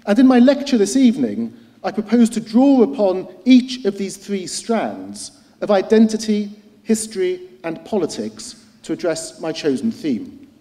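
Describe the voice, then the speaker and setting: A middle-aged man giving a formal lecture as a historian. He speaks in a measured, articulate way with frequent hesitant "uh"s. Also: high-pitched, very animated, dark tone. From United Kingdom. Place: lecture hall at a cultural centre. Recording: long reverb of a large hall.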